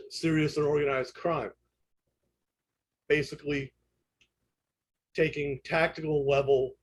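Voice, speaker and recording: A man presents an online lecture in a Brooklyn accent. His voice is husky and mid-pitched. He explains methodically, often pausing and correcting his phrasing. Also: a little mellow, low-quality recording. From United States, New York. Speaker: presenter, instructor in intelligence analysis. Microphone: internet call audio.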